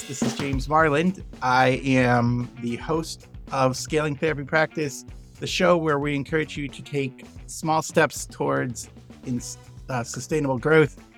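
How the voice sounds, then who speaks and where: A man hosting a podcast panel, speaking haltingly with frequent restarts. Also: mid-range voice, fairly even intonation, a bit bright, faint music behind. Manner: halting, many fillers and restarts. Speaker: podcast host.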